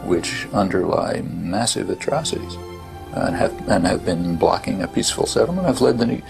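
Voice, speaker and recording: Brief: deep, heavily creaky voice, measured and hesitant. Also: male voice, lively intonation, over music.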